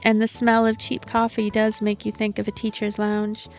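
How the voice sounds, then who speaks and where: A woman's voice: medium pitch, completely flat delivery, moderate pace. A woman reading a story game aloud and commenting as she plays, with music behind her. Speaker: let's play commentator and narrator. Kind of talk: voiced gameplay narration and commentary.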